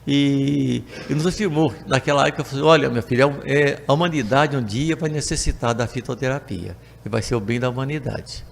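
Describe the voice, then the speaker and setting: An older Brazilian man giving a spiritist talk, telling stories in a casual, lively way and acting out the dialogue. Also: mid-range voice, a little fast, vocal fry, few pauses, slight background noise. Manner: animated, acts out dialogue with voice changes. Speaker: spiritist lecturer. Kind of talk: storytelling talk to a spiritist group. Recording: long reverb of a hall.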